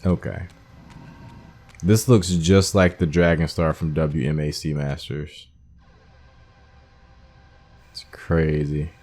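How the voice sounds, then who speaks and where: A man's voice: a bass voice, level tone, slow, pauses often, a little mellow. A man giving casual gameplay commentary as a video host, informally thinking aloud as he plays. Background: game music.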